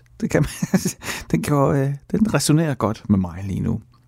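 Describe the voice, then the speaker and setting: A man speaks at a medium pitch with very wide pitch swings. His voice has vocal fry. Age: 40s. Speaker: radio host. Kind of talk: radio show hosting, reading listener messages. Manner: casual, with hesitations.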